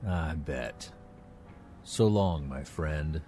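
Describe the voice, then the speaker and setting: Slow, deep, smug lowlife. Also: male voice, dark tone, faint music behind, heavily acted. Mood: smug, taunting. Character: smug, unhurried male criminal informant squeezing for money. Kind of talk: audio drama acting.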